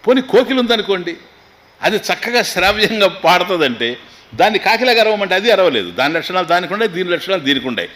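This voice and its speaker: A man giving a scriptural discourse as a swami. He chants Sanskrit lines slowly, then explains them quickly with humor. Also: sits high, lively intonation, fairly bright tone.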